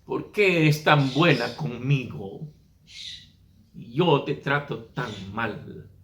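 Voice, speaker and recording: A man preaching a sermon plays a drunk husband who talks in a loud, boastful and bossy way. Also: high voice, big pitch swings, brisk, echoey room, full character voice. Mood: remorseful.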